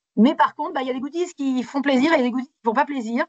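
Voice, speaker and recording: Talking very fast with ordinary pitch variation, a woman is heard in a dry, close sound with no echo. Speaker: research outreach project coordinator. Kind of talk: webinar presentation. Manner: hesitant, many fillers.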